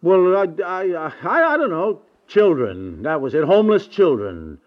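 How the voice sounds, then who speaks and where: An American man playing a sheepish, henpecked husband in a 1950s radio comedy, stammering and halting through domestic dialogue. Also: high voice, big pitch swings. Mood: flustered, defensive. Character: sheepish, flustered, henpecked middle-class husband. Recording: dull vintage 1950s radio recording.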